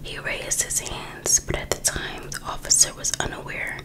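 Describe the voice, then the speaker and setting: A woman reading a book aloud for ASMR in a breathy, unvoiced whisper, pausing between short phrases. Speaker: ASMR creator.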